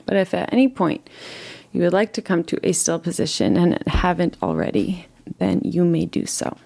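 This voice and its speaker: A woman leading a guided relaxation meditation in a gentle, soothing, unhurried way, leaving long pauses between phrases. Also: lowish voice, big pitch swings, vocal fry.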